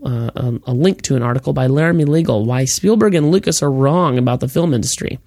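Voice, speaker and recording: A man's voice: mid-range voice, creaky, no room sound, clean studio sound. A man hosting a weekly movie news podcast with a slightly froggy voice from a cold, giving blunt opinions and reading off box office numbers. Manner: reads figures in a steady list-like delivery. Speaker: podcast host.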